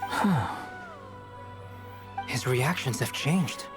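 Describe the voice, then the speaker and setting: A man's voice: mid-range voice, animated, extremely slow, over music. A man voicing a blunt, pragmatic young companion in a video game, curt and matter-of-fact. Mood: cool, resolute.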